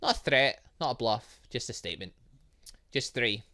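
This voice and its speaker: A man's voice: mid-range voice, lively intonation, normal speed, bright, forceful tone. A man hosting a game playthrough, reading dialogue aloud and commenting in a theatrical, exclamatory way. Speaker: gaming video host.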